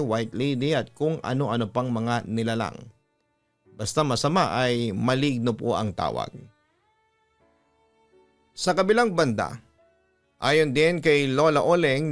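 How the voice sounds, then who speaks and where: A man with a Filipino accent reading a listener's first-person horror story as a storytelling host. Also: medium pitch. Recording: music bed under the voice. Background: background music.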